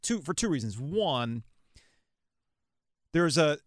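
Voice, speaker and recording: A man hosting a casual sports interview, with a lively pitch that moves around a lot. He tells stories and argues his take in an animated way. The sound is close and dry. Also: slow, no room sound. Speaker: podcast host interviewing a guest.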